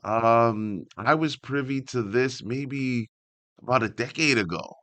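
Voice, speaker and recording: A man hosting a casual read-along, reading an article aloud and breaking in with animated asides of his own. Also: medium pitch, a little slow, dry recording. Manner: animated asides, interrupts himself while reading. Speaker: host reading a wrestling article aloud with commentary.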